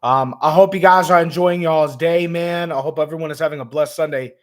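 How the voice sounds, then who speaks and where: A man who is hoarse and raspy, hosting a laid-back gaming vlog livestream with lots of ums, talking to viewers as man and bro. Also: a little high, a little fast. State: hoarse, lost voice. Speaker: gaming vlogger host. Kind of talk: casual livestream chat.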